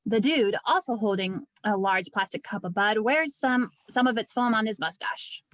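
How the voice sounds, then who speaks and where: A woman's voice: mid-range voice, normal speed, fairly bright tone, no room sound. A woman narrating scripted stage directions at a table read. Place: indoors, remote online read.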